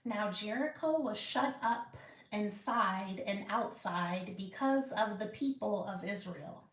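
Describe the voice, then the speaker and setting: A woman hosting a live Bible reading and study, reading aloud slowly and carefully with small slips and restarts. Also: mid-range voice, fairly bright tone, roomy sound. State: out of breath.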